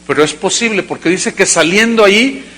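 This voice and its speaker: A male pastor delivering a sermon to a congregation, with dramatic acted quotes and sudden shouts. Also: high voice, brisk. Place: church service before a congregation.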